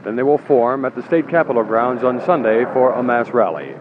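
A man delivering a formal field news report beside a highway, heard from old newsreel footage. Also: a little fast. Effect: old newsreel audio. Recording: dull lo-fi old newsreel with loud outdoor noise.

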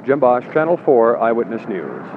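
A man delivering a formal field news report beside a highway, heard from old newsreel footage. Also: very animated, moderate pace. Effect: old newsreel audio. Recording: dull lo-fi old newsreel with loud outdoor noise.

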